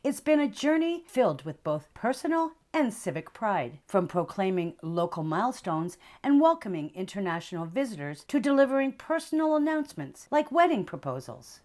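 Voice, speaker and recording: A woman's voice: mid-range voice, sing-song, moderate pace, few pauses, darkish tone. A woman reading scripted narration for a local news feature in a polished, formal way.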